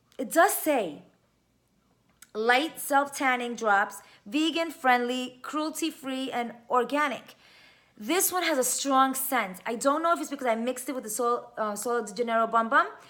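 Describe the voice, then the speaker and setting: Speaking with an American accent, a woman has a high pitch, a moderate pace and ordinary pitch variation. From New York. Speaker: beauty vlogger. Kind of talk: product review vlog. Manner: casual, chatty with filler words.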